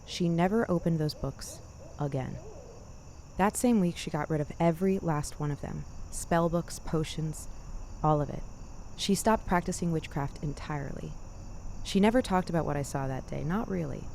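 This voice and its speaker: A woman hosting a scary story show, narrating a scripted bedtime tale in a measured, deliberate way with dramatic pauses. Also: deep voice, gravelly, a little mellow, slight background noise. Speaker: host of a spooky story podcast.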